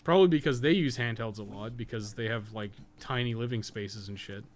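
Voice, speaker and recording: A man's voice: medium pitch, fairly quick. A man chatting casually on a game livestream, blunt, opinionated and sweary as he rambles. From North America. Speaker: game streamer and podcast co-host. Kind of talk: casual livestream chat while playing a game.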